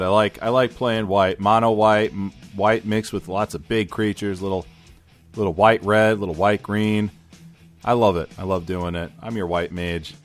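A man hosting a casual podcast, energetic and talkative, often repeating himself with fillers. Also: on the low side. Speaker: podcast host. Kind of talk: casual chat.

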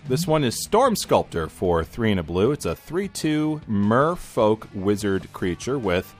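A man hosting a casual podcast chat, reading game cards aloud in an animated way with plenty of fillers and restarts. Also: on the low side. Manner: animated, halting with frequent fillers. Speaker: podcast host.

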